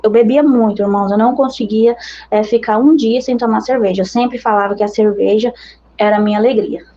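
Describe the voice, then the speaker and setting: A woman's voice: mid-range voice, mellow, lo-fi sound. A woman missionary with a Brazilian accent giving an earnest, conversational religious testimony to her brothers and sisters in faith.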